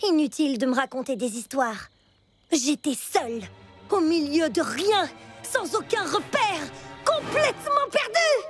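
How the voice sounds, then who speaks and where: A woman's voice: high-pitched, very animated, a little slow, soft background music. A woman voicing a plucky cartoon girl scout who tells a tall adventure tale in a theatrical, exclamatory way. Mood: dramatic. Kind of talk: dramatic cartoon storytelling.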